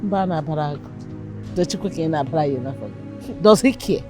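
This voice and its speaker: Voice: medium pitch, fast talker, soft background music, natural voice. Someone playing a scornful Nigerian mother. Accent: Nigerian, Igbo-speaking. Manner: scornful, lively, mixing Igbo. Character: knowing mother who distrusts her son. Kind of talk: film drama acting.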